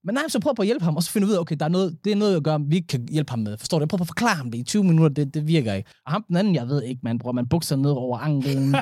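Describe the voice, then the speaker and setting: A man co-hosting a podcast in casual chat, telling lively stories and dropping English slang like "bro" and "man". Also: on the high side, hardly any pauses, no room sound, clean studio sound. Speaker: podcast co-host.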